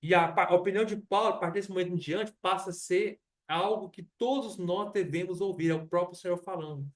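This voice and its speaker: A man's voice: high voice, fairly quick, recorded from a distance. A man with a Brazilian accent preaching a Bible study in church, teaching conversationally, asking rhetorical questions and repeating himself. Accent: Brazilian Portuguese. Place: church hall.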